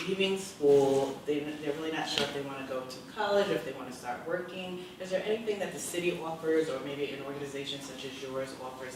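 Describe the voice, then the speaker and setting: A moderator at a panel asking the guests questions in a friendly way. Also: mid-range voice. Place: event hall. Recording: echoey noisy hall from far off.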